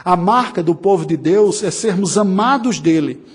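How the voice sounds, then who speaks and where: A man from Brazil preaching with a notably high voice, driving his points home with emphasis. He mixes ironic asides and brief chuckles into a steady expository sermon. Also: normal speed, husky. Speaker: pastor.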